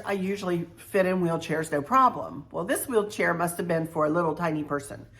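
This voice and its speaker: A woman's voice: mid-range voice, bright, forceful tone. A middle-aged woman from Virginia, telling viewers a travel story in a chatty way, repeating herself and adding folksy asides. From Virginia, USA. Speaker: travel vlogger.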